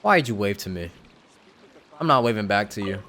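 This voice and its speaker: Animated young male game streamer. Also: lowish voice, slight background noise. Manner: slangy, halting, reacting aloud. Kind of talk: casual live gameplay commentary.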